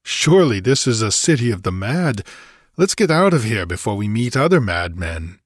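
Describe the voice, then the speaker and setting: A man voicing a gruff, blunt barbarian warrior with grim humor in a fantasy audiobook, growling and snarling his words. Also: on the low side, very animated, normal speed, dry recording, studio quality.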